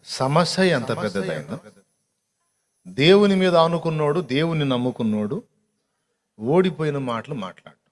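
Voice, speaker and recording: A man's voice: a little high, sing-song, normal speed, pauses often. A man preaching a sermon as pastor. He speaks emphatically and often turns to the congregation with direct questions.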